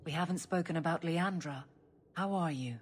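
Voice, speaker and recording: Low-voiced, earnest guard captain. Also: female voice, moderate pace, husky. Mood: sober, awkward. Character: earnest, awkward, sturdy armored female guard captain. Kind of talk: video game dialogue.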